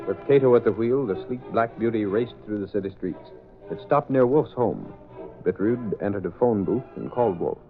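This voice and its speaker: A man's voice: fairly low pitch, moderate pace. Dramatic male radio announcer narrating, scratchy narrow 1930s sound, a little music under it. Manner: dramatic and declamatory.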